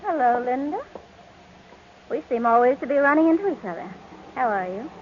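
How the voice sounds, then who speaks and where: A scorned, bitter young woman in an old radio play. Her fairly high voice is pointed and coolly taunting. The recording sounds somewhat muffled. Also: lively intonation, brisk, slight background noise. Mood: mock-sweet. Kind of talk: old-time radio drama acting.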